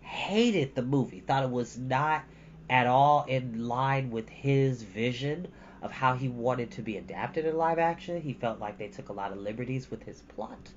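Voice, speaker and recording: Unhurried and informal, a storytime livestream host with a medium-pitched voice reads from a novel and drifts off into rambling side remarks. Ambient background music accompanies the dull, lo-fi recording, which carries a little hiss or hum.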